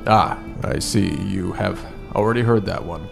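A man improvising an in-character story in a tabletop roleplaying game, with formal, measured, halting wording. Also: low-pitched, vocal fry, music in the background.

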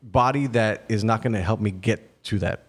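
A man's voice: lowish voice, moderate pace, husky. A man in his forties hosting a podcast, talking earnestly in casual chat. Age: 40s. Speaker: podcast host.

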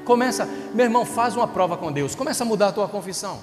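Man, Brazilian accent, pastor, fervent sermon, high voice, echoing church hall with music behind. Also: lively intonation, quick pace. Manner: fervent, storytelling, calls out to the congregation. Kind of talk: preaching a sermon. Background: worship music playing.

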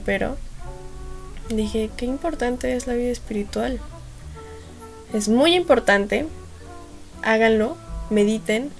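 Gravelly young Mexican woman podcaster. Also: a little high. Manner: chatty and slangy, acts out quotes, laughs at her own jokes. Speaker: podcast host. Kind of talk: casual storytelling monologue.

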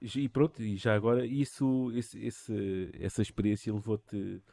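A podcast host, a man with a European Portuguese accent and a fairly low voice. He leans on jokey colloquial idioms and stretches his questions out, circling back before he lands them. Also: steady tone, a little slow, gravelly, mellow. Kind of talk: casual interview chat.

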